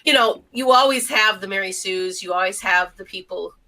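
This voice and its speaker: A woman's voice: mid-range voice, moderate pace, crowd noise, poor audio. A middle-aged woman co-hosting a casual podcast, speaking bluntly and with exasperation. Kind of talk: casual panel chat.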